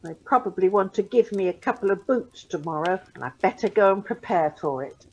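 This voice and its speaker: A woman's voice: medium pitch, expressive, brisk, lightly acted. A woman playing a saucy male servant in an audio pantomime, recorded at home over a video call with dull sound. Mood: cheeky.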